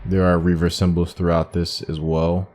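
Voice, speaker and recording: A man's voice: low voice, flat delivery, normal speed, a little mellow, soft background music. A man giving casual, informal playthrough commentary as a gaming video host, thinking aloud as he goes.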